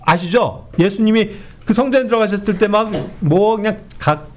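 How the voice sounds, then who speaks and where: A man teaching a Bible study in an animated way, who keeps asking his listeners to agree and acts out quoted speech. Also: high voice, normal speed, a little hiss or hum. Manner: animated, often asks the group for agreement.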